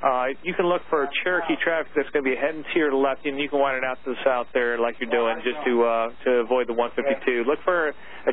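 Against noticeable background noise, a man talks very fast with fairly even intonation in a dry sound with no echo. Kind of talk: radio instructions. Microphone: two way radio.

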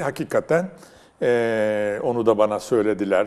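A man speaks at a very slow pace. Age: 70s. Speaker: actor and voice actor; actor, voice actor. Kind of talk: interview. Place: studio. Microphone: lapel.

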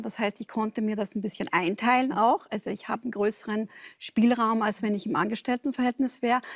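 A woman talks at a fairly quick pace in a fairly high voice. Her pitch varies in an ordinary way, and the background is quiet. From Austria. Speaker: self-employed author, career mother; talk show guest. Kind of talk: TV talk show discussion. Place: studio. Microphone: lapel.

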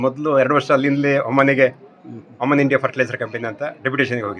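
A man talks at a medium pitch amid noticeable background noise. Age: 60s. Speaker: retired engineer, yoga graduate. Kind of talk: interview.

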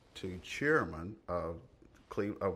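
A fairly low-pitched man with an American accent. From North Carolina. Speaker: textile executive. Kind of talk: interview answer. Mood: calm, thoughtful. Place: street.

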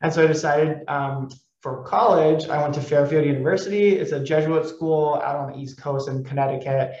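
A man's fairly high voice at a fairly quick pace, with fairly even intonation and audible room echo. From Hawaii, Oahu (Mililani); Hawaii. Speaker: physician scientist. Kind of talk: lecture. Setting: video call from home office. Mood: casual, friendly, self-deprecating. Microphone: video call.

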